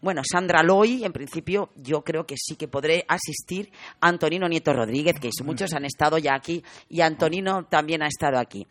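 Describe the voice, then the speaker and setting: A woman's voice: deep voice, fairly quick, dry recording, clean studio sound. A woman from co-hosting live radio talk, rambling from one announcement into the next. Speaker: radio show co-host.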